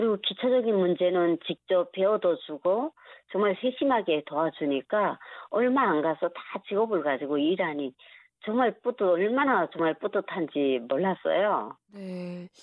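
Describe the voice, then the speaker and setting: Her medium-pitched voice making very wide pitch swings, a woman speaks at a fairly slow pace. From North Korea, Chongjin. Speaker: North Korean defector, regular guest. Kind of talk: radio interview.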